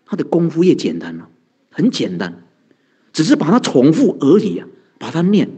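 A man's voice: fairly high pitch, wildly swooping pitch, moderate pace, mellow, slightly rough. A man, a Buddhist monk giving a conversational dharma talk, asking rhetorical questions and answering them, chuckling often. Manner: chuckles often, heavy use of sentence-end particles.

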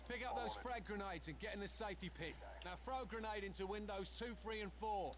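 An actor playing a gruff male army sergeant with a British accent who barks orders in a video game. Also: high voice, brisk. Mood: commanding. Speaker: demolitions instructor. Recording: quiet, distant game audio with noise.

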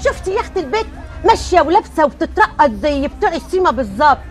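A woman's voice: very high voice, animated, racing, soft background music. An actress playing a nosy, gossiping neighbor woman with an Egyptian accent. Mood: gossipy. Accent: Egyptian Arabic.

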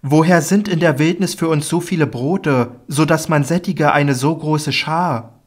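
A man's voice: fairly high pitch, measured pace, pitched above the performer's own voice. A man voicing a group of worried followers, asking questions in a slightly raised voice, in a Bible audiobook reading. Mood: questioning.

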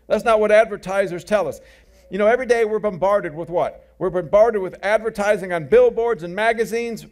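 A middle-aged man preaching, with a voice pitched high for a man. He tells folksy stories, slips in jokes and says his main points twice. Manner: folksy storytelling with jokes and repeated key phrases. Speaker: pastor. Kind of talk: sermon.

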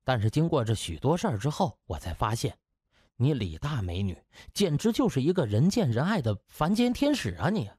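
A man voicing a flattering, cheeky young male doctor in an audiobook drama, effusive and quick to repeat himself. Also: mid-range voice, breathy edge, no echo, studio quality. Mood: gushing, grateful.

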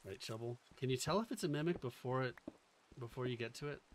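A man's voice: mid-range voice, quick pace, a little hiss or hum. A man with a faint Boston accent, casually thinking aloud and chatting with viewers while streaming a game. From Boston area. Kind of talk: casual live-stream commentary.

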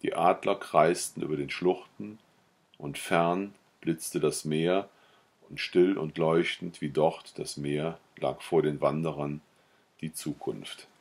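Deep, husky male reader. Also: fairly even intonation, slow. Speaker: audiobook reader. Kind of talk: reading a novella aloud.

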